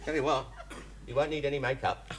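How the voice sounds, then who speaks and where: An actor playing a cheeky, henpecked suburban husband, in sitcom style, always backpedalling. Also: male voice, medium pitch, fairly even intonation, close to an everyday voice. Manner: sheepish, quick comic backpedalling. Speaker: sitcom character. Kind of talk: 1970s British sitcom acting. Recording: hissy old TV audio with studio laughter.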